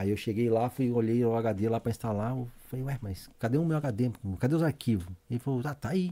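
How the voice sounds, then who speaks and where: Talking at a fairly quick pace, a man has a dark, mellow tone. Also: medium pitch for a man, ordinary pitch variation. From Brazil, Porto Alegre (Rio Grande do Sul). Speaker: photographer. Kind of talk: casual chat.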